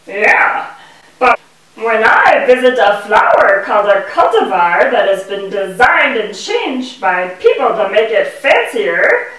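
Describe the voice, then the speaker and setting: A woman voicing a gentle, polite talking bee in a children's puppet show, explaining things simply and theatrically. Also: a little high, very animated, slow pace, full character voice. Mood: earnest explaining. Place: indoor room with puppet stage. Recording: echoey room, distant microphone.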